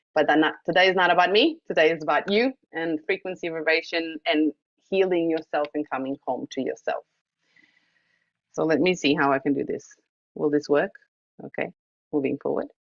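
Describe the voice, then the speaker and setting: With a Slovenian accent, a woman speaks at a fairly quick pace in a fairly low pitch, leaving long, frequent pauses. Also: ordinary pitch variation. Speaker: wellness coach. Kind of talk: online training session.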